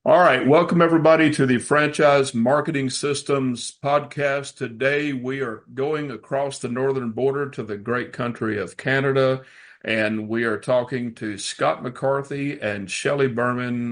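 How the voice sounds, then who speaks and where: Friendly, joking man hosting a podcast. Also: medium pitch. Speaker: podcast host. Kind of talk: casual interview hosting.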